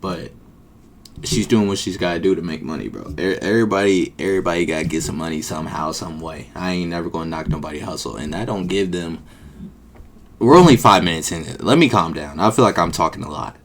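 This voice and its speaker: A man's voice: deep voice, fairly quick, slight background noise. A young man streaming, chatting casually and swearing as he reacts to a documentary. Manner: slangy, swearing, talks back to the video. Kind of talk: casual live reaction chat.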